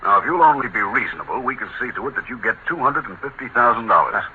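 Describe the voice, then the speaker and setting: An actor playing a courteous bank officer in 1940s radio drama style, measured and firm. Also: male voice, mid-range voice, animated, close to an everyday voice. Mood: persuasive. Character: calm, polite male bank officer, firm. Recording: muffled old radio broadcast with hiss.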